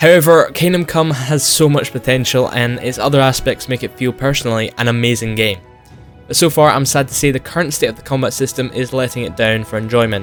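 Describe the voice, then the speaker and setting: Over music in the background, a man with a Scottish accent speaks at a fairly quick pace. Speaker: gaming YouTuber. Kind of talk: video game commentary to camera.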